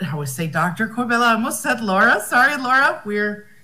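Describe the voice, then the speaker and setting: A woman's voice: on the high side, very animated, brisk, bright, forceful tone. An American woman speaking at an academic conference over a video call, thoughtful and often rephrasing herself. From United States.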